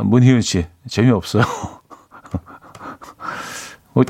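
A radio host with a mid-range voice chats casually into a studio microphone, reading out listener messages and laughing at his own jokes. There's no room sound.

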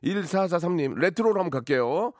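A man hosting a phone-in radio show, teasing callers with deadpan banter. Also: high voice, fairly quick, no echo, studio quality. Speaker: radio host. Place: radio studio.

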